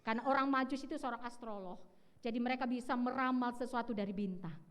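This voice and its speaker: A woman's voice: on the high side, quick pace. Earnest woman preaching. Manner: storytelling, earnest and exhorting. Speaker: pastor. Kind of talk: Christmas Eve sermon. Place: church. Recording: echoey church hall.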